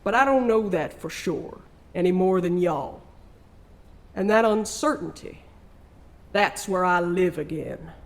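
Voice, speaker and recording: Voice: medium pitch, expressive, measured pace. An actor of unclear sex playing an ancient, world-weary trickster spirit with a folksy, theatrical drawl in an audio drama. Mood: resolute. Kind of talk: scripted audio drama acting.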